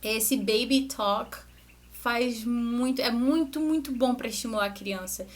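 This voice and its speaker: Young woman teacher chatting to parents, a bit high voice, loose and talky, trails off and restarts. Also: measured pace. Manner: conversational, explains with asides and restarts. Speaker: music teacher and channel host. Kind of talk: educational talk to parents.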